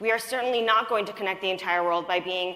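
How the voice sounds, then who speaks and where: A woman with a General American accent speaks at a very fast pace in a bright, sharp tone. Her pitch varies ordinarily, and room echo is audible. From United States, Japanese-speaking family. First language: Japanese. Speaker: diversity and inclusion lead, panel speaker. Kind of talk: conference panel talk.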